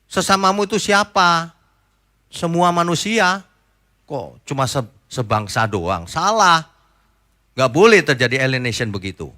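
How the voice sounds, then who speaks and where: Male pastor, bright tense tone, chatty sermon, loud points then quiet asides, rhetorical questions to the flock. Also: big pitch swings, a little slow, pauses often. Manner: conversational preaching, swings between loud emphatic points and soft low asides; asks the congregation rhetorical questions.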